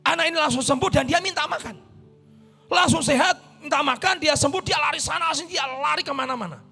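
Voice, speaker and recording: Indonesian male pastor, very high gravelly husky voice, dramatic sermon storyteller, music bed behind. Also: brisk. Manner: animated, acts out voices in the story, swings between shouting and hushed.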